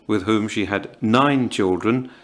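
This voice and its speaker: Moroccan guy in his 50s, lowish voice, slow halting panel talk with lots of uhs. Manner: halting, many fillers, earnest. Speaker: invited writer speaking on a panel. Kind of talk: reflective festival panel talk.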